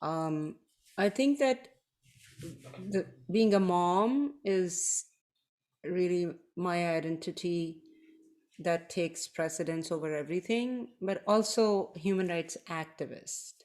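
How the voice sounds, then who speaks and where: Middle-aged lady, slow reflective podcast chat, lots of ums. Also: fairly low pitch, a little mellow. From Pakistan. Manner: reflective, unhurried, with many ums and pauses. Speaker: podcast co-host, doctor.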